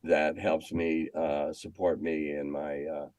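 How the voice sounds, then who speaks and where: An older American man, a retired magazine editor, chats casually as an interview guest in a plain-spoken, wry manner. His voice is extremely low and a little mellow, level in tone, and he takes it slowly with no echo.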